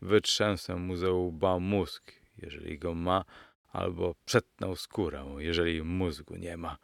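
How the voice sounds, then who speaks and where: A man's voice: sits low, fairly even intonation, slow pace, vocal fry, no echo, studio quality, heavily acted. A man voicing a bold, unflappable middle-aged uncle who speaks in a cool, commanding, mocking way, in an audiobook. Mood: defiant.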